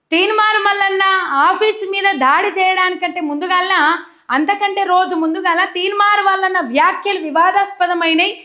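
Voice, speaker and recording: Young telangana woman ranting earnestly to camera, very high voice, telangana telugu accent. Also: bright, forceful tone. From Telangana, India. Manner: earnest, emphatic, colloquial. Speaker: political commentator. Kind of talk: direct-to-camera commentary.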